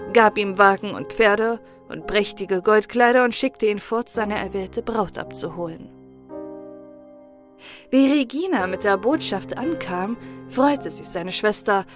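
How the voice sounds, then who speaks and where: A woman narrating a fairy-tale audiobook in a calm, measured storytelling voice. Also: medium pitch.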